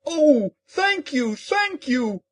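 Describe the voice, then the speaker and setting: Someone plays an eager straw scarecrow from a storybook. The voice is breathy and husky, and it swings up and down in pitch as he begs for brains and bursts with thanks. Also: very animated, normal speed. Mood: grateful. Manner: pleading, then gushing with thanks. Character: male scarecrow, eager and simple-hearted. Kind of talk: dramatized audiobook reading.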